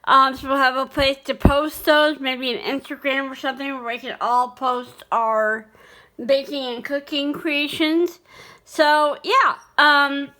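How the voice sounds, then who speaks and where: Home baking vlogger, woman, high bright voice, loose chatty delivery full of ums. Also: fairly even intonation, a little slow. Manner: rambling, many fillers and restarts. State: hiccuping. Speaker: cooking channel host. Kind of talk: casual vlog chat.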